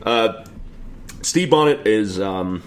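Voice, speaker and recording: Low-voiced laughing podcast host, man. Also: lively intonation, a little hiss or hum. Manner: laughs often, quick asides. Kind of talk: casual podcast chat.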